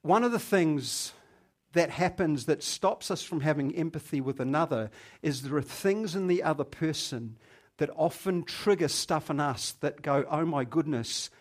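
A man's voice: fairly high pitch, moderate pace. A man preaching a conversational sermon as pastor, chatty and teasing members of the congregation by name.

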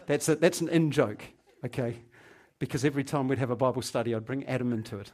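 Chatty New pastor preaching. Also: male voice, medium pitch, steady tone, quick pace, a little mellow. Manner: chatty, teasing the congregation by name. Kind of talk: conversational sermon.

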